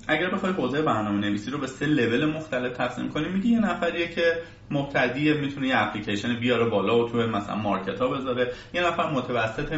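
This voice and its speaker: A man's voice: mid-range voice, a bit bright. A man interviewing someone in a conversational style. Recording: echoey distant mic, muffled, faint hiss.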